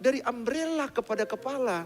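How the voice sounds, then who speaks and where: A man preaching a sermon in a large church hall, lively and joking, addressing the congregation bluntly. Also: extremely high pitch, fairly quick. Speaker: pastor. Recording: long hall reverb, faint music.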